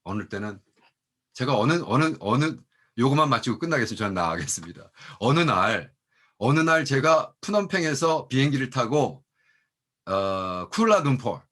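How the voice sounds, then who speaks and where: A middle-aged man, a pastor and mission professor, telling testimony stories in an animated way and acting out the people he quotes. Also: medium pitch, normal speed. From Korea. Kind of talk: storytelling testimony talk.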